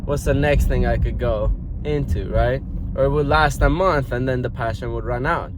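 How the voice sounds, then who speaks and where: A man, talking casually to camera in a loose, rambling way and often clearing his throat. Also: mid-range voice, normal speed. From Iran. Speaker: motivational vlogger. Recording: outdoor street noise.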